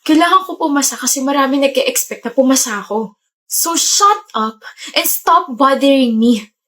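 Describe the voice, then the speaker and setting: A young woman acting a short-tempered student who snaps and shouts at a friend in a comedy skit. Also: sits high, very animated, a little slow. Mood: irritated shouting. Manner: snapping, shouting, impatient.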